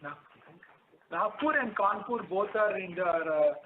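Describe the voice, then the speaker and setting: An Indian-accented man speaks as a company executive on an investor call. His voice sits fairly high for a man and comes haltingly over a narrow phone line with faint background noise. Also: expressive. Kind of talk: corporate conference call answers. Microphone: telephone conference line.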